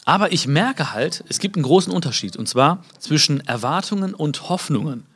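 A man giving a live motivational talk. He speaks to his listeners directly, acts out little dialogues and jumps high in pitch to stress a point. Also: expressive, a little fast, fairly bright tone, breathy edge. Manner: many fillers and restarts, acts out small dialogues.

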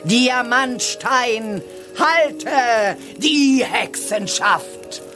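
A commanding witch leading a magic ceremony in a children's audio drama. She declaims very slowly and solemnly, with lively swings in pitch, over loud magical music. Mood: solemn incantation. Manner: incantatory, declaiming.

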